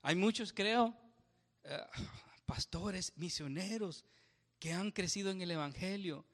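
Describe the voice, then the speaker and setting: Brief: male pastor, fairly high and bright, teaching a casual Bible study in a reverberant church hall. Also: takes it slowly. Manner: conversational, asks the congregation questions with frequent tag "¿verdad?"; laughs at his own slips.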